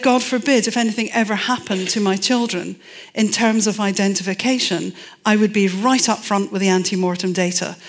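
Scottish woman, middle-aged, public talk, dry humor, emphatic storytelling. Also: mid-range voice. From Scotland. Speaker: forensic anthropologist.

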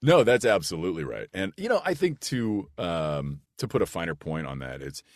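A man with a big, low, rich voice who talks earnestly and thoughtfully as a voice actor guest in a casual podcast chat. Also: very animated, moderate pace, dry recording, studio quality. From United States. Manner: earnest and reflective, with restarts and "like".

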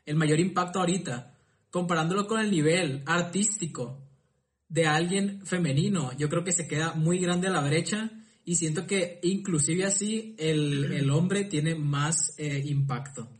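A man in a relaxed podcast conversation, his voice sitting somewhat high for a man. He talks thoughtfully, stopping and restarting his sentences as he builds a point. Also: unhurried. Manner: thoughtful, hesitant, many restarts and repeated words. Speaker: podcast participant. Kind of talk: casual podcast chat.

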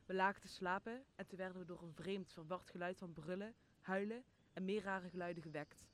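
A man's voice: high voice, fairly even intonation, fairly quick, fairly bright tone. A man playing an eager, bewildered aircraft crewman in an earnest, stage-like radio drama style.

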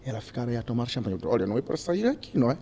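A man's voice: mid-range voice, big pitch swings, rapid-fire, dark tone. A man, a podcast guest, telling a story with lots of energy and acting out the voices of the people in it. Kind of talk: animated storytelling.

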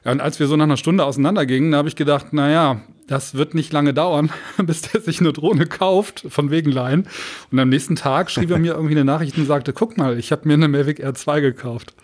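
A man's voice: a little high, fairly quick, darkish tone. A man co-hosting a podcast in a casual, chatty style. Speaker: podcast co-host.

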